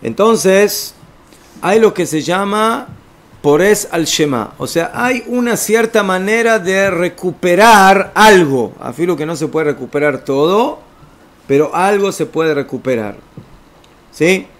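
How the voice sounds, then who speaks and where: A man's voice: high-pitched, lively intonation, slow. A man teaching an informal religious law lesson, explaining step by step and checking in with his listeners. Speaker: rabbi teaching a class.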